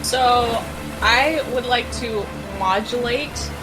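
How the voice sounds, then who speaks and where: A woman's voice: a little high, slow pace, music in the background, poor audio. A woman chatting casually as a player in a tabletop game, playful and slangy.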